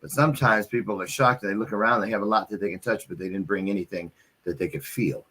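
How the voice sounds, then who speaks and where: A man's voice: fairly low pitch, fast talker, fairly bright tone, slightly rough. A man hosting a casual, chatty online interview in a folksy, playful manner. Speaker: host of an online interview show.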